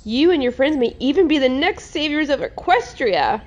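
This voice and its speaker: A woman's voice: high-pitched, animated, moderate pace, darkish tone. A woman voicing a caring, playful mother pony in an amateur cartoon, motherly and encouraging, on a lo-fi recording. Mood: reassuring.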